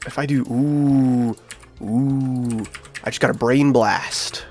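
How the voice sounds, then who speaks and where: A man's voice: mid-range voice, steady tone, slow, a little mellow, faint music behind. A man with a nasal voice from being sick, chatting casually to his live-stream viewers while he builds a game level. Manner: chatty, talks to chat while working.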